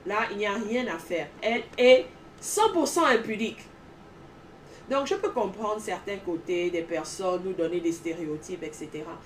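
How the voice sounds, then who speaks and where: A woman speaks in an earnest testimony style, stacking emphatic repeated phrases. Her voice is mid-pitched and sits away from the microphone. A faint noise runs behind her. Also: expressive, normal speed, far from the mic, poor audio. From Gabon.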